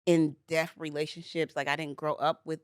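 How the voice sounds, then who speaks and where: A woman's voice: low voice, little pitch movement, normal speed, smooth, no echo, studio quality. A woman in her forties co-hosting a podcast, telling a story in casual chat and laughing easily. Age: 40s. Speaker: podcast co-host.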